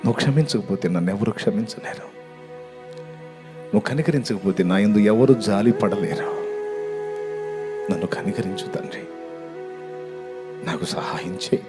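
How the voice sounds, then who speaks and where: A man preaching a sermon and leading prayer in an impassioned, pleading way, moving between loud cries and hushed tones. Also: lowish voice. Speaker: pastor. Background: music.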